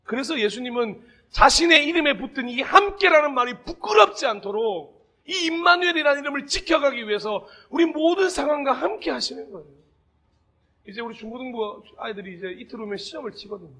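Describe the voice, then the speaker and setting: Brief: male pastor preaching a Sunday sermon, high-pitched and husky, conversational with shouted emphasis. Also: expressive, fairly quick. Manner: asks the congregation direct questions.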